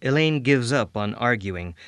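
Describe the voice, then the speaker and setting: A man's voice: mid-range voice, animated, unhurried, no room sound. A man narrating an audio drama from a script, describing scenes and actions.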